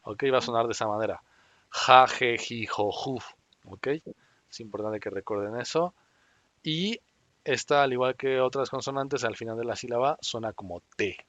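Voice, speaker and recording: A male teacher leads an online beginner class at a middle pitch. He speaks patiently, spelling out sounds one by one and asking students to repeat after him. His voice comes through a video-call mic. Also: moderate pace, fairly bright tone, lo-fi sound. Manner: patient, drills pronunciation and has students repeat. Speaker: Korean language teacher.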